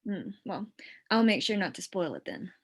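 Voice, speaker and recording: A woman acting a wry store clerk in a drama table read. Her voice sits at an average pitch. She teases drily and flirts with easy self-possession. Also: expressive, normal speed, slightly rough. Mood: teasing.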